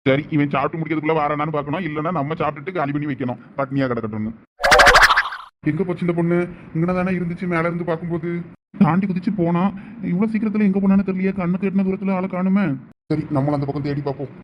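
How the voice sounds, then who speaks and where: A man's voice: on the high side, very fast, muffled recording, a little hiss or hum, close to an everyday voice. A man playing a senior student, keeping up a nosy running commentary on what he sees. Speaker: senior student in a comedy skit.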